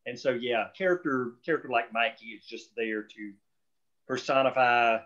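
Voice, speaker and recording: A man's voice: medium pitch, normal speed, fairly bright tone. Opinionated man on a dull-sounding call. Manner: opinionated, emphatic, rambling, swears. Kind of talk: casual discussion on a group call. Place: group video or phone call.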